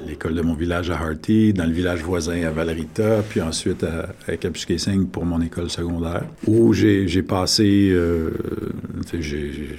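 A middle-aged man with a Franco-Ontarian French accent, a university rector talking casually as a radio guest, relaxed and hesitant, with many restarts. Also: sits low, normal speed, slight background noise. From northeastern Ontario, Canada. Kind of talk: casual interview talk. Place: radio studio.

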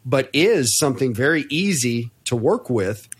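A man's voice: medium pitch, expressive, unhurried, slightly rough. A man hosting a casual podcast conversation who talks in an easygoing way, full of "you know". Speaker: podcast host and shop owner.

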